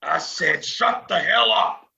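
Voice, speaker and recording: An actor playing a grieving, bitter cowboy in a Western audio play, with a gravelly rasp and an anguished, volatile delivery. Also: male voice, sits high, slow, lo-fi sound, full character voice. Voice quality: raspy, gravelly. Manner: anguished, swinging from growl to shout.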